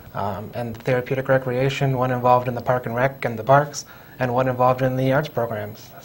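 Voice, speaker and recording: A man with an Upper Midwest accent speaks at a fairly quick pace and medium pitch. His intonation is monotone and flat, with noticeable background noise. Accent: Upper Midwest (Minnesota). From Owatonna, Minnesota. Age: 30s. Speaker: city council candidate, police officer. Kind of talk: interview. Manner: halting, many fillers.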